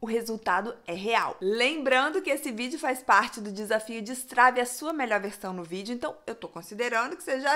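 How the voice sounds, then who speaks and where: At a moderate pace, a woman speaks in a fairly high voice with lively intonation and an animated tone. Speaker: reporter, presenter and video coach; reporter, presenter, video coach. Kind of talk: tutorial. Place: home room.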